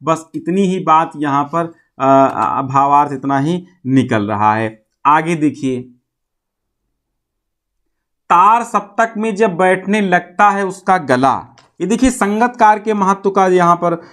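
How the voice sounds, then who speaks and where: A man's voice: a little high, expressive, unhurried, fairly bright tone. A man teaching in an explanatory classroom style, reading out phrases, then repeating and rephrasing them didactically. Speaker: Hindi teacher. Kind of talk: explanatory classroom lesson, reading and paraphrasing a poem.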